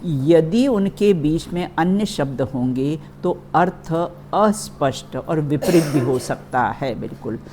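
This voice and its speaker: A woman's voice: low-pitched, lively intonation, takes it slowly, few pauses, background noise. A woman teaching a religious philosophy class in a study hall, checking in often with her listeners.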